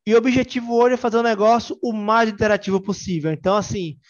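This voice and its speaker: Here a young tech conference speaker from Salvador, Brazil, talks quickly and steadily in a high register, his Bahian accent clear throughout. The talk is casual and playful, full of fillers and restarts, recorded with lo-fi sound.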